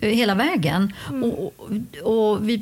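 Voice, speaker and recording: At a fairly slow pace, a woman talks in a normal speaking voice pitched fairly high. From Czech Republic. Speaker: podcast host. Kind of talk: interview, casual chat.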